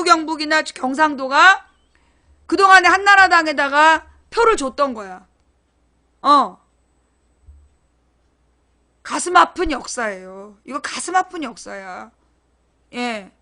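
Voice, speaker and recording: High, bright-voiced woman ranting bluntly. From Seoul. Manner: blunt, ranting, swears casually. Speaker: political internet broadcaster. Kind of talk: casual political monologue.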